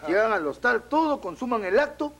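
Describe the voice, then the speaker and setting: A man's voice: extremely high pitch, very animated, fairly quick, creaky, fairly bright tone. A man comedian hosting and telling jokes in a playful way, acting out characters. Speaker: comedian host. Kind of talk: stand-up joke telling.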